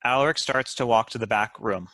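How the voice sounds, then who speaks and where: Male narrator, stage directions, bright forceful voice, matter-of-fact, dry close sound. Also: mid-range voice, a little fast, dry recording. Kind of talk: scripted narration at a table read.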